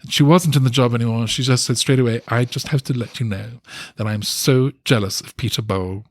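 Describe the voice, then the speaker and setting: A man in a relaxed podcast conversation who tells stories with real enthusiasm. He thinks aloud and often stops to restart a sentence. His voice sits at a middle pitch and is recorded close and dry. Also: a little fast, no echo. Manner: thoughtful, animated storytelling with hesitant restarts. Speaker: guest, dance critic.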